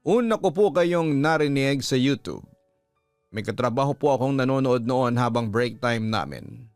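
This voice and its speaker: A Filipino man narrates a personal letter as a storytelling host. His delivery is measured and earnest, with a clear, resonant voice. The sound is dry and close, over a light musical bed. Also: mid-range voice, very animated, no echo. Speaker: radio storytelling host reading listener letters. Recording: music playing behind the voice. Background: background music.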